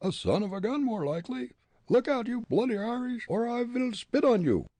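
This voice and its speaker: A man voicing a devilish hanging head in a storybook, hoarse and gurgling, mocking and giving menacing commands. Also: very high voice, big pitch swings, normal speed, mellow, no room sound, voice pushed up, heavily acted. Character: taunting devilish hanging head, a ventriloquist's thrown voice.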